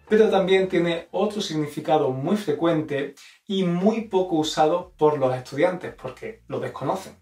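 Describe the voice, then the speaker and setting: Expressive Spanish teacher from Spain, roomy sound. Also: male voice, fairly high pitch, far from the mic. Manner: expressive, models intonation for learners. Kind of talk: explanatory video lesson.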